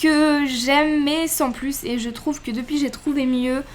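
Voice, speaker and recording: A woman talks with ordinary pitch variation, and noticeable background noise is heard behind her. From Lyon, France. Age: 20s. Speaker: beauty vlogger. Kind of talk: casual talk to camera. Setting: voice-over recorded separately. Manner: relaxed, conversational.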